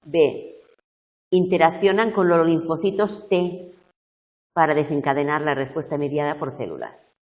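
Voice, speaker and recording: A woman university tutor going over exam questions slowly, checking whether her students follow. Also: low voice, a little mellow, distant mic, lo-fi sound.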